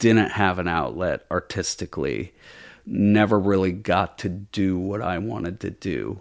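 A man's very deep, low voice with vocal fry and an American accent, fairly slow, with ordinary pitch variation, on a very clean recording with a silent background. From US Midwest. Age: 40s. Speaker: comedian and actor. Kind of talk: casual chat.

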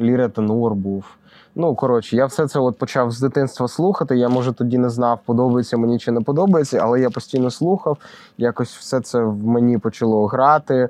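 This man has an unremarkable speaking voice at medium pitch. He talks at a fairly quick pace with ordinary pitch variation. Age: young. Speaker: singer-songwriter and vocal teacher. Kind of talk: interview.

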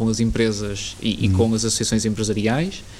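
A man speaks in a medium pitch, with noticeable background noise present. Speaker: government secretary of state, politician. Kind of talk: interview. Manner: formal.

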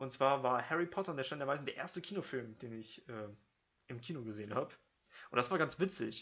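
A man talks at a very fast pace and a medium pitch, with lively intonation. His tone is bright and sharp, with big swings in loudness. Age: 20s. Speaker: podcast host. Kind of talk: casual chat. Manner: halting.

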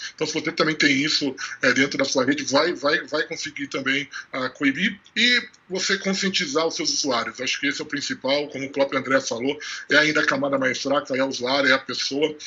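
A man with an unremarkable speaking voice talks at a fairly quick pace in a fairly high pitch with ordinary pitch variation. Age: 40s. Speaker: cybersecurity executive. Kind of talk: casual chat. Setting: remote recording.

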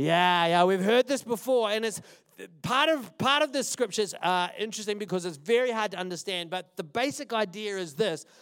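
A man with a New Zealand accent and a high pitch talks at a fairly quick pace, his tone animated and his intonation lively, in a very clean recording with a silent background. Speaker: pastor. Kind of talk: sermon. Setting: church stage with audience.

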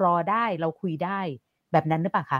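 The recording of this woman is dry and close, with no echo at all. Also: quiet background. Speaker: talk show host. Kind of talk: interview.

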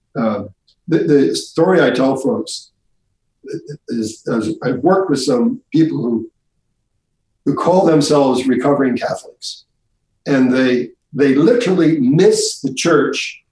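A somewhat breathy man with an American accent and a fairly high pitch, lively intonation and long, frequent pauses. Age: 60s. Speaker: Jungian author. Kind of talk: in-depth interview conversation.

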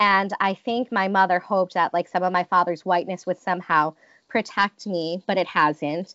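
With an American accent, a woman talks at a moderate pace in a medium pitch, her intonation fairly even. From US Midwest, Detroit. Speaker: writer and musician. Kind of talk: casual interview chat.

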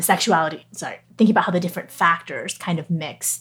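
Delivery is fairly quick. There is a somewhat breathy quality to the voice. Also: woman. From Northern California (Sunnyvale), moved from Wuhan, China at five. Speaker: author. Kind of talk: interview conversation.

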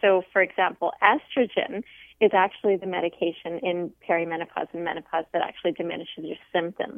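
A woman speaks in a plain, everyday voice at a medium pitch. Her pace is moderate and her pitch varies in an ordinary way. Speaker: women's health doctor. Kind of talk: expert interview.

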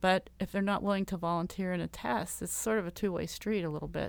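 At a fairly quick pace, a woman with a fairly low pitch speaks in a monotone, flat intonation on a very clean recording with a silent background. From Pennsylvania, Pittsburgh. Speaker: medical research professor. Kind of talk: interview.

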